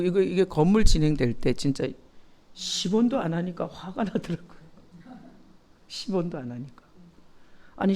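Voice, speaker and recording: A woman's voice: low-pitched, creaky, dark tone. A middle-aged woman pastor leading a Bible study in a conversational, candid way, often asking the group questions and laughing.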